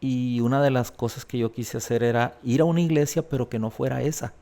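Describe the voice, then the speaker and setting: A man's voice: medium pitch, fairly even intonation, brisk, gravelly, mellow. A man earnestly recounting a personal testimony in an interview, acting out the voices of the people he quotes. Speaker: guest telling his life story.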